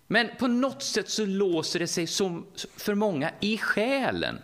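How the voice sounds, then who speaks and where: A middle-aged Swedish man with a Västergötland accent, preaching a lively, conversational sermon and often asking the audience questions. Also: high-pitched. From Sweden, Västergötland.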